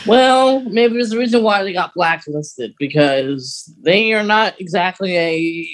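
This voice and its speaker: A man with a somewhat high-pitched voice co-hosts a fan podcast. He talks casually and tends to hesitate, backing up to begin a thought again. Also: animated, measured pace. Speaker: podcast co-host.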